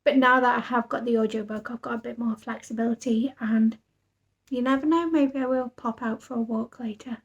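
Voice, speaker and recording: A woman's voice: fairly high pitch, steady tone, fairly quick, lo-fi sound. A tired woman book vlogger chatting casually after reading all night, rambling and thinking aloud. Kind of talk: casual vlog chat.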